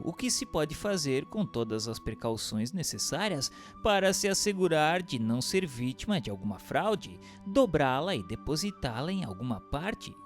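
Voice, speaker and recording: A Brazilian man narrates a book in a formal, declamatory style. His voice sits a little high and moves through wide, animated swings of pitch. Music plays along behind the reading. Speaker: audiobook narrator.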